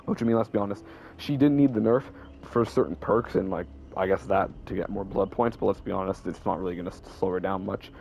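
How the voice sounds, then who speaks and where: A man's voice: deep voice, steady tone, fast talker, creaky, a little mellow, muffled recording. A young man casually explaining his game builds as a YouTuber, rambling and correcting himself as he goes. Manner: rambling, self-correcting, stutters. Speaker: gaming YouTuber.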